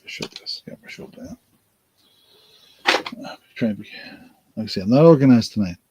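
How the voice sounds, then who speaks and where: A tired man hosting a casual live auction of vintage jewelry. He talks unhurried and rambling, thinking aloud with many fillers. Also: fairly low pitch, animated, very noisy. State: tired, yawning.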